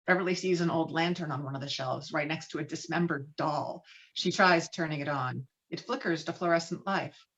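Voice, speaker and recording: Woman narrator for a horror screenplay read, lowish voice, dramatic delivery, muffled lo-fi video-call audio. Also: moderate pace, a bit bright. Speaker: narrator reading stage directions. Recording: dull lo-fi video call sound.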